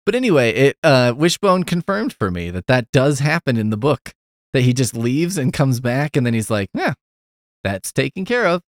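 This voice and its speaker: A man's voice: mid-range voice, big pitch swings, moderate pace, no echo, clean studio sound. A middle-aged man hosting a podcast in casual chat, retelling a story in a rambling, sarcastic way with plenty of swearing and asides. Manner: rambling, heavy on fillers and asides. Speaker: podcast host.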